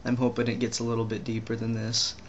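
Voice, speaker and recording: Rambling young trans man on a flat hum. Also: medium pitch, dull audio. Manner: rambling, halting, many restarts and fillers. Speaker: vlogger. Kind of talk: casual video diary.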